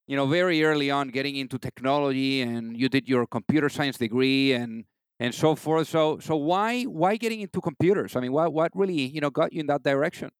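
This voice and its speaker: Smooth-voiced eager male podcast host. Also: mid-range voice, fairly quick, dry recording. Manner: eager, peppered with "you know". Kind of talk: interview hosting.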